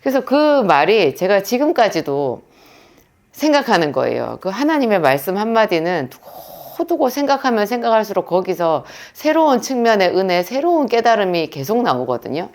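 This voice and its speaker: A woman's voice: mid-range voice, very animated, normal speed, a little mellow. A woman, a pharmacist and pastor's wife, gives an earnest prayer lecture and tells stories with quoted dialogue.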